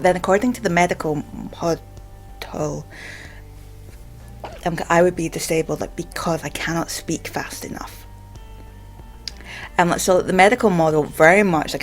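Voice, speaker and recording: Scottish female vlogger, low voice, stammers, halting informal delivery padded with fillers, music underneath. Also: creaky, rough recording. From Scotland. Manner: halting, with frequent repeated filler words. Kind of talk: informal explainer to camera.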